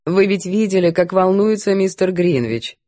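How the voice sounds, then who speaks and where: A woman voicing a composed, firm governess who speaks calmly and evenly, a little lower. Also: dry recording, natural voice. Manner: calm, measured, composed. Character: calm, firm older English governess.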